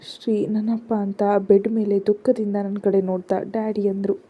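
A woman narrating a first-person family drama story in a soft, hushed storytelling voice. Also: medium pitch, level tone, moderate pace, breathy edge.

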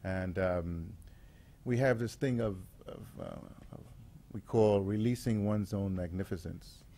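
Deep, mellow man addressing a gathering. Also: a little slow. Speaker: radio theater artistic director, guest facilitator. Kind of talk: informal public address.

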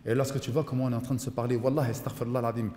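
A middle-aged man, an imam, giving an animated mosque lecture and mixing in street slang. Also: mid-range voice, very fast, slight background noise. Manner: animated preaching, mixes in street slang, voices his son and inner voices. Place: mosque hall. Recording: echoey hall.

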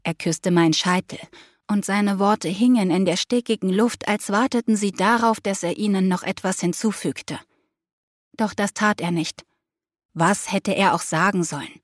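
A woman narrates an audiobook in the first person, in an expressive, emotive storytelling manner. Her voice sits at an ordinary middle pitch. The recording is dry and close, like a small studio booth. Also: moderate pace, no room sound. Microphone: close studio mic.

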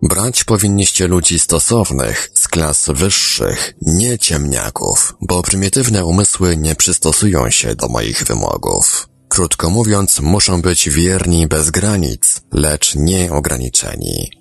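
A man reading the lines of a cold, commanding master who gives orders, lecturing in a low voice. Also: sing-song, slow, creaky, hardly any pauses, breathy edge, dry recording, full character voice. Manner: authoritative, lecturing.

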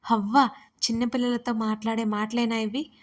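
A woman's voice: fairly high pitch, little pitch movement, moderate pace, natural voice. A woman narrator voicing a pert, sassy teenage younger sister in an audio story.

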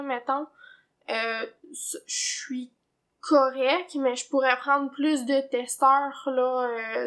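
Québécoise woman host, high-pitched, chatty, filler-heavy, casual knitting vlog. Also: fairly bright tone. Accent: Québécois French. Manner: chatty, many fillers and hedging tags. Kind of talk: casual chat. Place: home, indoors.

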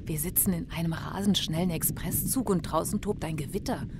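An actress playing a level-headed, dryly sarcastic police detective in a crime audio drama. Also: female voice, sits low, a little fast. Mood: dry, tense. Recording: train noise behind voice.

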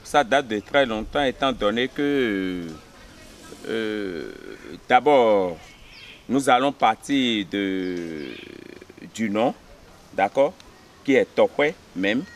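Unhurried male teacher in his fifties, hesitant, outdoors with faint yard noise. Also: fairly low pitch, animated. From Benin. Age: 50s. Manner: unhurried, hesitant fillers, checks understanding often. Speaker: history teacher. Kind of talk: interview, telling local history. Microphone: camera at close range.

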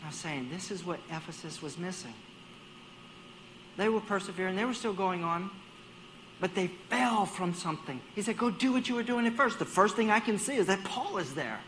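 Male guest preacher, bright high voice, animated storyteller who plays out dialogue. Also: moderate pace, slight background noise. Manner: repeats words while gathering his thoughts. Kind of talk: sermon.

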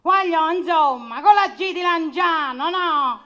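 A puppeteer voicing a cheeky, lovesick male puppet clown in a squeaky, shrill voice with a southern Italian accent, theatrical and drawn-out. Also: bright, forceful tone, full character voice. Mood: boastful greeting. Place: puppet booth on a theatre stage.

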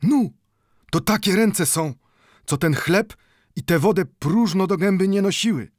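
A man's voice: medium pitch, sing-song, unhurried, dry recording, clean studio sound, voice pushed up. A man voicing an old Jewish bookbinder in an audiobook, speaking broken Polish full of "nu" and growing heated as he pleads. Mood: pleading. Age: older.

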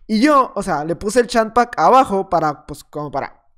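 A man's voice: sits high, animated, normal speed, a bit bright. A man giving casual, playful commentary over his own gameplay. He rambles a little and teases the players he fights. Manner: playful, rambling, teasing opponents. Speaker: gaming video creator.

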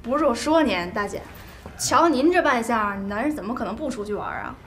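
A woman's voice: fairly high pitch, expressive, a little fast, a bit bright, a little hiss or hum. An actress playing a brash young woman who mocks and taunts with a drawling delivery. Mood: mocking. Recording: clear background music.

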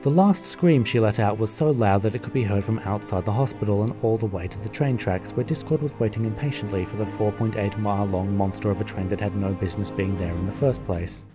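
A man's voice: lowish voice, a little fast, few pauses, over music. A man narrating a fan radio play in a wry, jokey way.

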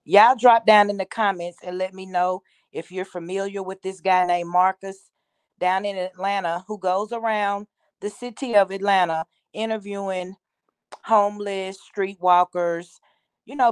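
A woman's voice: mid-range voice, steady tone, measured pace, clean tone, dry recording. A woman giving casual, opinionated commentary, talking directly to her online viewers in a conversational way. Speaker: YouTube commentator, host.

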